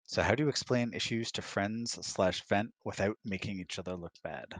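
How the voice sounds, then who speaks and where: A man's voice: lowish voice, normal speed, a bit bright, no room sound. A middle-aged man chatting casually as a co-host, rambling and acting out imagined remarks as he goes. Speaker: co-host, the husband. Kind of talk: casual chat. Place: close, dry room on an online voice chat.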